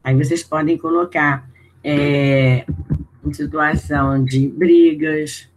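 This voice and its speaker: Chatty Brazilian teacher, slightly high voice. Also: male voice, fairly even intonation, takes it slowly, a little hiss or hum, rough recording. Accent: Brazilian Portuguese. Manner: conversational, checking in with students through tag questions; reads exercise prompts aloud, then thinks out loud. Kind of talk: online video lesson.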